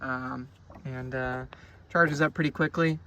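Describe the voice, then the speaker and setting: A man's voice: medium pitch, steady tone, unhurried, sharp tone, slight background noise. A man giving a casual, unscripted product review outdoors, rambling along in a laid-back, hesitant way. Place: outdoors on a boat on a lake.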